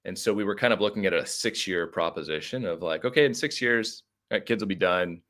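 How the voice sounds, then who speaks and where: A man's voice: low voice, a little fast, a bit bright. A middle-aged American man telling his story casually as a podcast guest, talkative and a little rambling. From United States (Arizona).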